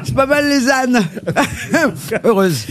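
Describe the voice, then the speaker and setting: A man among the studio guests, clowning and laughing in a drawn-out way. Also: very high voice, expressive, a bit bright.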